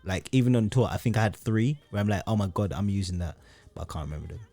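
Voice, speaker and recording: A man chatting as a podcast guest, joking and animated, swearing freely. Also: fairly low pitch, quick pace, no room sound, faint music behind. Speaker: podcast guest, musician and sound engineer. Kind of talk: casual podcast conversation.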